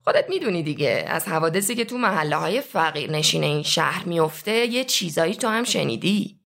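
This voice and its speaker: A calm, menacing male interrogator, read by a woman. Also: on the low side, creaky, pitched below the performer's own voice, exaggerated voice. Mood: cold, menacing.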